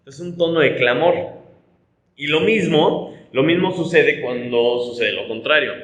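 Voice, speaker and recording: On poor, roomy-sounding audio, a man from Mexico speaks with a Mexican Spanish accent and a fairly high voice. As a pastor teaching an informal Bible study, he leans on rhetorical tags and keeps restarting his sentences.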